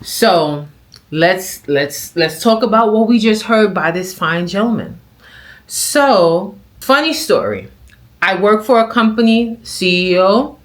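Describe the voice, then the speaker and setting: A middle-aged woman vlogger giving casual reaction commentary, telling stories in an animated way with acted-out quotes. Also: mid-range voice, slow pace.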